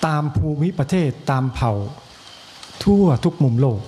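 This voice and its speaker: Slow-preaching man with an Isan accent. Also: mid-range voice, expressive, mellow, slight background noise. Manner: slow, measured preaching with pauses and repetition. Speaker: monk. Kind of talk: evening sermon. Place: temple hall.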